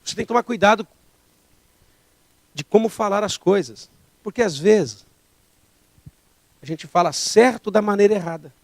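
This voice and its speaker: A man's voice: high voice, normal speed, pauses often, dry recording. A man preaching a sermon as pastor, emphatic and full of rhetorical questions.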